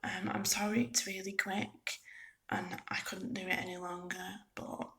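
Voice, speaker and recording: A woman gives a casual, soft-spoken ASMR ramble as a gaming vlogger, halting and informal, often slipping into a breathy near-whisper. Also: mid-range voice, level tone. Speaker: video game vlogger.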